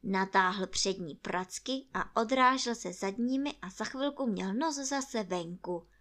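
A woman reading a children's storybook aloud in an expressive, animated way. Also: medium pitch.

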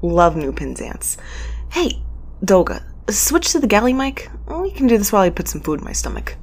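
A woman's voice: mid-range voice, very animated, moderate pace, slightly rough. A woman playing a casual, wry young space courier who rambles informally in an audio drama. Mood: groggy, casual. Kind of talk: naturalistic audio drama acting, logging aloud.

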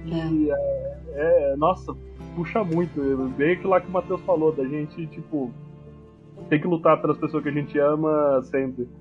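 A man's voice: on the high side, fairly even intonation, a little slow, narrow, tinny audio, soft background music. A man in casual podcast chat, talking in an emotional, exclamatory way.

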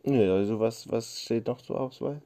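Late at night from bed, a young Ukrainian man chats hesitantly on a casual podcast, using many fillers. His voice is mellow and mid-range, at a moderate pace.

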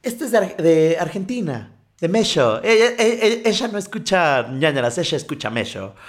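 A man's voice: high-pitched, big pitch swings, moderate pace. A man hosting a podcast in casual chat, reading listener stories aloud, often stumbling and wandering off into his own comments. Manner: digressive, stumbles while reading and comments as he goes. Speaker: podcast host.

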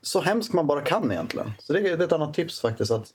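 A man, a comedian guest on a podcast, giving mock-serious advice in a deadpan way. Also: a little high, a little hiss or hum. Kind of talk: podcast chat.

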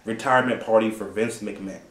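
A young man in his twenties talks through a casual solo commentary, rambling and laughing between points in a lowish voice. He sits a bit back from the mic, and the room around him rings with echo. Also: fairly even intonation, brisk, fairly bright tone. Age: 20s. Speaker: host. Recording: roomy, distant from the mic.

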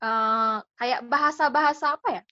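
A woman's voice: high-pitched, moderate pace, pushed and bright, no echo. A young woman chatting casually and steering the conversation to new topics. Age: young adult. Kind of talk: casual chat. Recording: dull, muffled sound.

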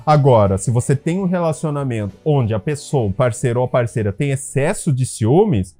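A man with a mellow, warm voice tells stories in a chatty monologue, his pitch leaping around as he acts out other people's lines. He throws in frequent tag questions and addresses the listener directly. Faint music plays underneath. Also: normal speed. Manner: lively, acts out quoted voices with big pitch jumps; conversational, many tag questions and fillers. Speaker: relationship and couples wellness speaker. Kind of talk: casual storytelling monologue to listeners.

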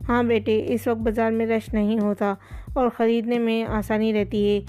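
A woman's voice: fairly high pitch, level tone, dark tone, natural voice. A woman voicing a middle-aged male shoe trader who talks in a coaxing, fatherly way, in a storybook reading.

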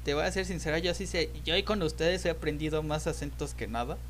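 A man with a Mexican accent hosting a podcast chat, joking, laughing often and breaking into loud excited exclamations. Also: on the high side, quick pace, a little hiss or hum. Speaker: podcast host. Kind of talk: casual chat.

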